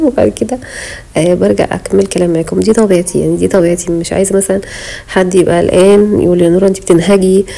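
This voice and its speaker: A woman's voice: medium pitch, vocal fry, dark tone, low-quality recording. A woman with an Egyptian accent, chatting in a home vlog voice-over, a bit out of breath as she talks. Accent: Egyptian Arabic. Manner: chatty, pious, talks straight to viewers. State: short of breath while talking. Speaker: home vlogger. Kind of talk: casual voice-over chat.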